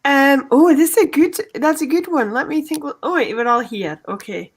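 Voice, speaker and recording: A woman's voice: high-pitched, moderate pace. A woman comedian with a Shetland Scottish accent, chatting casually on a comedy panel. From Shetland, Scotland. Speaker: improv comedian.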